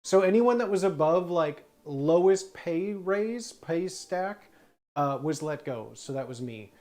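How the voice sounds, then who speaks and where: A man in his thirties, a streamer and former bartender, chatting casually in a rambling way with quick asides. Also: fairly high pitch, expressive, mellow. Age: 30s.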